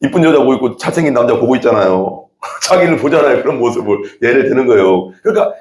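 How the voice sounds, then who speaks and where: A male pastor preaching an animated sermon in a church, acting out quoted prayers and voices. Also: medium pitch, fast, reverberant. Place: church sanctuary.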